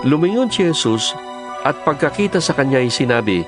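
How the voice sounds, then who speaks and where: Expressive male scripture narrator over music. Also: on the high side, a little fast.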